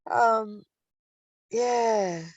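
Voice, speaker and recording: A woman's voice: fairly high pitch, very slow, dry recording, lo-fi sound. An older woman speaking reflectively in a spiritual study discussion, recorded at a distance from the microphone. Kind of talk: reading aloud and reflective discussion.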